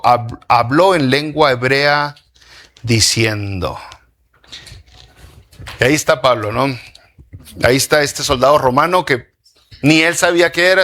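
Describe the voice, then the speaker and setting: A man preaching a sermon as pastor, lively, asking the congregation questions and dropping in slang. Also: fairly high pitch.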